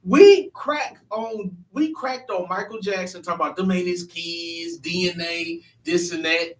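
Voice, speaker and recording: A man's voice: high-pitched, unhurried. A man hosting a church panel discussion, talking earnestly and emphatically, often restarting his sentences. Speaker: panel host. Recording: echoey room, mic at a distance.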